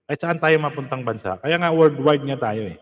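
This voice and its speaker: A man hosting a casual live stream, reading out viewer comments and giving shout-outs, laughing often. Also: mid-range voice, brisk, in a large hall, lo-fi sound, heavy background noise. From Philippines.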